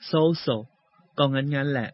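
A man hosting a radio segment, patiently explaining and repeating English greeting phrases. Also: slow. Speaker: radio program host. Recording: muffled radio recording.

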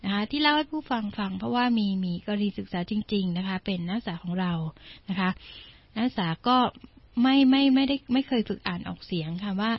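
A woman's voice: medium pitch, lively intonation, brisk, breathy edge, dry recording, lo-fi sound. A woman English teacher reading a children's story and patiently explaining each word for her listeners. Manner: patient, explains words one by one. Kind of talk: bilingual storytelling lesson for listeners.

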